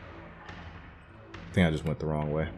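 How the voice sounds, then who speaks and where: A man's voice: very deep voice, monotone, takes it slowly, over music. A man hosting a gaming playthrough, commenting casually and informally as he thinks aloud and explains things. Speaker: gaming video host.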